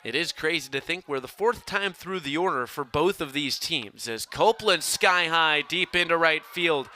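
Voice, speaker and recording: A man's voice: on the high side, animated, normal speed, bright, forceful tone, some chatter behind. A young man calling live sports play-by-play in a projected voice that rises for big plays. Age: young adult. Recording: faint ambient outdoor noise behind.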